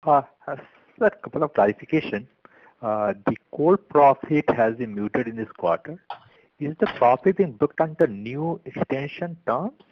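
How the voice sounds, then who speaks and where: A man's voice: mid-range voice, dry recording. An Indian-accented man, a financial analyst putting formal questions on a conference call. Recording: dull, dry phone conference line.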